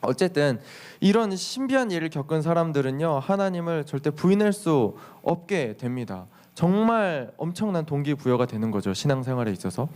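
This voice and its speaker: A young man, a youth pastor, preaching to teenagers in a lively storytelling way, asking the listeners questions and acting out what people say. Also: fairly high pitch, a little fast, hardly any pauses. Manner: lively storytelling, acts out quotes with exclamations; addresses the listeners directly with questions. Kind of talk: sermon to teenagers.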